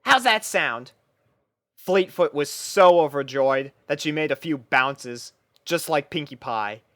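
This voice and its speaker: A narrator reading a story aloud in an expressive, scripted storybook style. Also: mid-range voice, measured pace, no room sound, clean studio sound. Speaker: fan fiction narrator.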